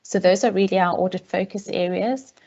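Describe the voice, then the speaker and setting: A woman's voice: mid-range voice, fairly even intonation, a little mellow, husky. Woman auditor heard over a lo-fi call line. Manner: measured and businesslike, with frequent ums. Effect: heard over a video call line. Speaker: external auditor presenting a report. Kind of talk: formal briefing to a council committee. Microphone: remote call audio. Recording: dull, lo-fi call audio.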